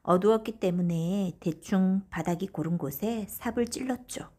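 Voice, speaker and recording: A woman narrating a folktale audiobook for bedtime, in a gentle, breathy storytelling manner. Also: mid-range voice, moderate pace.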